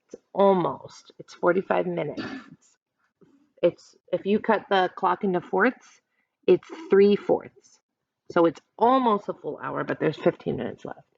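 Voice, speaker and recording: A woman's voice: lowish voice, measured pace, vocal fry, no echo, lo-fi sound. A woman teacher reading a picture book aloud expressively, adding instructive asides and questions for listeners.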